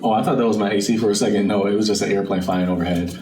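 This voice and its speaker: Roomy, low-voiced man reading tarot casually. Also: steady tone, very fast. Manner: informal, addresses the listener directly, thinks aloud. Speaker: tarot card reader and channel host. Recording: roomy, distant mic, faint background noise.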